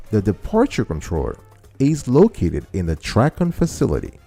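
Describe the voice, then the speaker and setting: A man's voice: on the low side, vocal fry, dark tone. A man hosting an informal explainer, teaching step by step and restating key phrases to his listeners. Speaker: show host and explainer.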